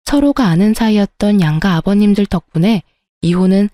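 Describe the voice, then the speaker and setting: A woman narrating a first-person story in a calm, matter-of-fact way. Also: mid-range voice, brisk, dry recording, studio quality.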